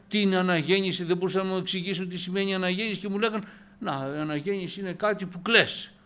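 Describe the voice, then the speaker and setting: A man giving a personal conversion testimony at church, telling his story with animated storytelling and acted-out dialogue, rising loud and emphatic on key points. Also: fairly high pitch.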